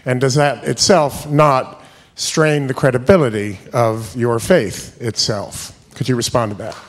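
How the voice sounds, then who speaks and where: A man in the audience asking the panel a question in a formal, measured way. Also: mid-range voice, fairly even intonation, a little hiss or hum.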